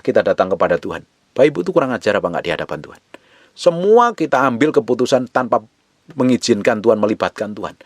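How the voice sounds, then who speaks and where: A man preaching a sermon, dropping to near whispers and then rising to loud, emphatic lines. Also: fairly low pitch, no room sound. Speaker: pastor.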